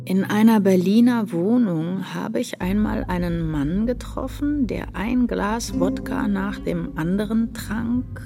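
A grave, reflective woman narrator in a radio play. She speaks very slowly and deliberately, with a creaky, dark voice, hushed and literary. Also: fairly low pitch. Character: reflective woman narrator recounting an eerie memory. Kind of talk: slow literary first-person narration in radio drama.

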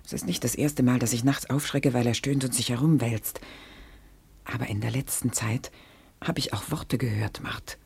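French madame, radio drama, very husky and breathy, low-pitched, suspicious, scheming, desperate. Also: female voice, normal speed, darkish tone, heavily acted. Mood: suspicious, secretive. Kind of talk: German radio play acting.

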